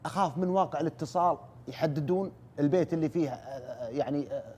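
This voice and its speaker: Fast-talking husky male storyteller. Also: on the high side, a little mellow. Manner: brisk, repeats "he says" as he retells, earnest. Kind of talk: oral storytelling retelling a war account.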